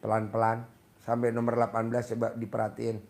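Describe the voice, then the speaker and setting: A man's voice: mid-range voice, completely flat delivery, quick pace, creaky, a little mellow. A man in a casual counseling talk, speaking directly to a woman and acting out sample prayers. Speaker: spiritual advisor. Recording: echoey room.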